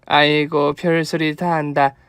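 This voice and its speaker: A man's voice: fairly high pitch, flat delivery, measured pace, fairly bright tone, smooth, no room sound, clean studio sound. A man voicing a thrifty, kind elderly mother-in-law who fusses and scolds affectionately. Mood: fond.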